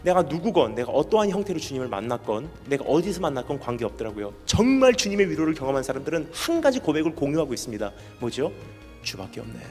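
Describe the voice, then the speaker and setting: A man preaching a sermon as a missionary at a special church meeting. He keeps asking the congregation questions and swings from loud emphatic bursts to quiet, low lines. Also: big pitch swings, fast, hardly any pauses, big-room sound, soft background music. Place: church hall.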